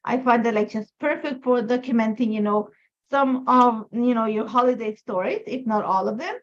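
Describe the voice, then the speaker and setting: A woman's voice: a little high, moderate pace, dull audio. A woman from Ecuador whose first language is Spanish, speaking English with an Ecuadorian Spanish accent as she hosts a live crafting demo from home, chatty and rambling with many "like, you know" fillers. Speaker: design team member hosting a live crafting demo. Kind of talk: casual live-stream chat.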